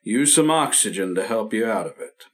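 An actor playing a calm, reassuring doctor in an old-time radio drama, measured and soothing. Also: male voice, lowish voice, close to an everyday voice.

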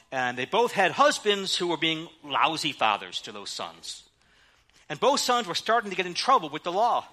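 A man's voice: on the high side, sharp tone. A middle-aged man, a rabbi, preaching a sermon that mixes quoted scripture with everyday examples.

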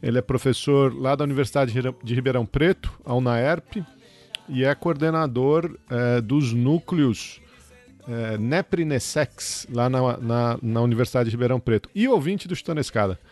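A man's voice: mid-range voice, moderate pace, a little mellow, faint music behind. A man hosting a podcast, introducing his guest in a cheerful, informal way. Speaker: podcast host.

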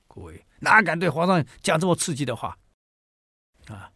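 A man hosting a history program, telling the story theatrically, with loud emphasis and soft, drawn-out asides. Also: fairly high pitch, big pitch swings, slightly rough, no echo, clean studio sound.

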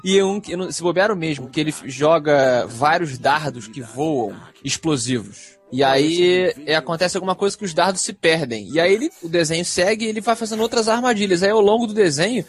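A man's voice: fairly high pitch, a little fast, few pauses. A man with a lisp, casually recalling old cartoons as a podcast co-host. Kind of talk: casual chat.

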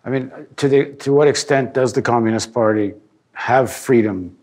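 A male interviewer with a husky, rough-edged voice at an average pitch. He talks conversationally, probing and cutting in as he discusses politics. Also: normal speed, darkish tone.

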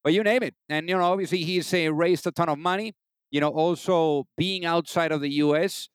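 Male podcast host, kinda high smooth voice, eager, says you know a lot, dry close sound. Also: steady tone, fairly quick, no room sound. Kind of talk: interview hosting.

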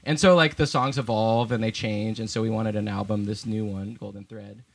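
A man's voice: fairly low pitch, steady tone, normal speed. Young guy from vermont, band leader, rambly and laughy, lots of ums. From Vermont, USA. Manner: chatty and laughing, with many fillers and restarts. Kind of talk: casual interview chat.

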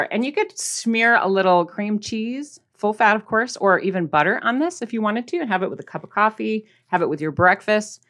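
A woman's voice: mid-range voice, fairly bright tone. A woman hosting a podcast, chatting casually about cooking in an upbeat, encouraging way with a few fillers. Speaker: podcast host.

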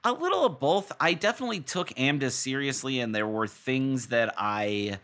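An American man in his thirties from Massachusetts, telling his own stories as an interview guest in a casual, animated, self-deprecating, jokey way. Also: medium pitch, normal speed. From Massachusetts, USA. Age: 30s. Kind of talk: casual conversational storytelling.

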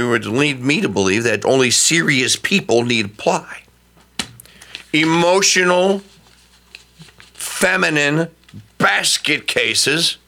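A man's voice: medium pitch, sharp tone. A middle-aged man hosting a talk radio show, delivering an emphatic opinion monologue that often stumbles into repeated restarts.

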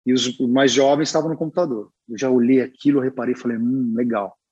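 A Brazilian man sits as a guest and tells a long story from his career in a loose, chatty way, full of fillers and asides. His voice is breathy and a little husky, at an ordinary male pitch. The recording sounds slightly dull and muffled. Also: quick pace. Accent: Brazilian Portuguese. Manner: animated, chatty, peppered with filler words. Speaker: guest illustrator. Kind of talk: casual storytelling.

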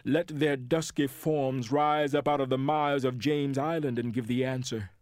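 An actor playing a dignified, aggrieved Black Union soldier, reading a formal, impassioned letter of petition in oratorical style. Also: male voice, medium pitch, fairly even intonation, a little slow, darkish tone, no echo, clean studio sound, lightly acted. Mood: proud, challenging.

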